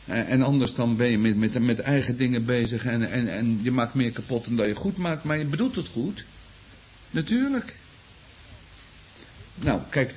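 A man's voice: medium pitch, darkish tone. A man preaching a sermon to his congregation, earnest and exclaiming, often repeating himself as he restarts sentences. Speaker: pastor. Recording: dull lo-fi recording.

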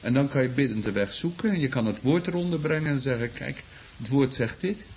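Guy preaching a sermon, earnest, keeps restarting his sentences, dull lo-fi sound, middling pitch. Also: expressive, brisk, darkish tone. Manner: earnest, exclaiming, repeats himself with restarts. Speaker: pastor. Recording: dull lo-fi recording.

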